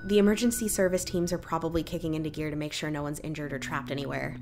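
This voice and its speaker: A woman's voice: deep voice, steady tone, quick pace, noisy background. A woman playing an anxious small-town local, worried and urgent, in an audio drama.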